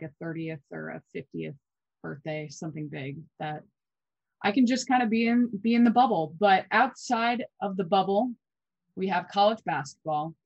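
A woman in her twenties co-hosting a college basketball podcast, chatty and quick with fillers and restarts. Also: lowish voice, gravelly, darkish tone, no room sound, dull audio. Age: 20s. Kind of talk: casual sports podcast chat.

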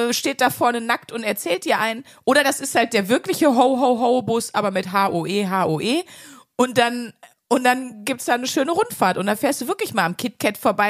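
A woman's voice: on the high side, a bit bright, dry recording, clean studio sound. A young woman co-hosting a podcast, cracking crude jokes in casual chat. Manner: joking, riffing on crude ideas. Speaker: podcast co-host.

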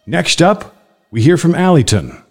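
A man's voice: fairly high pitch, wildly swooping pitch, unhurried, music in the background. A man hosting and narrating a series in a scripted, upbeat announcer style.

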